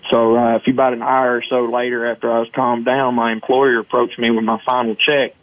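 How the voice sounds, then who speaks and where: A man with a Southern US accent tells his own story over a thin, phone-like connection. His pitch sits in the ordinary male range and the sound is dry. He comes across as folksy and earnest, speaking as a guest in an interview. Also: flat delivery, fairly quick, no room sound. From Arkansas, United States. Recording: muffled phone-like line, dry.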